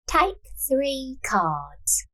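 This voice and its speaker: Fortune teller for audio drama, played by a woman: calm, soft, measured, authoritative, slightly husky. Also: high voice, voice pushed up, heavily acted. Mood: mysterious, measured. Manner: slow, soft, authoritative delivery.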